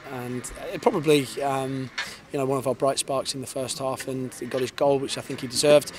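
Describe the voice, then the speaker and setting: A football head coach in his thirties gives a post-match interview on the pitch at night, speaking fast and earnestly into a handheld reporter's mic held in front of him. His pitch stays fairly flat, and he restarts phrases with repeated words. Outdoor stadium noise is clearly audible behind him.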